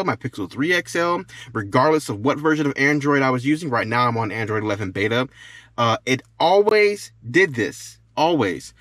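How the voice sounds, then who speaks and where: Male how-to host, casual and expressive, mid-range voice, restates key points, very dry recording. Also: medium pitch, no room sound. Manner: repeats phrases for emphasis. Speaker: tech tutorial host. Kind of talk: casual how-to demonstration talk. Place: inside a car.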